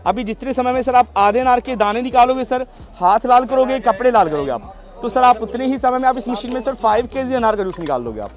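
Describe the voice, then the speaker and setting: A man with a very high voice delivers a pushy market-stall sales pitch outdoors, calling everyone sir and piling on claims. Faint music runs underneath. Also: expressive, brisk. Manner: pushy salesman patter, calls listener sir constantly. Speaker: street seller at a fair.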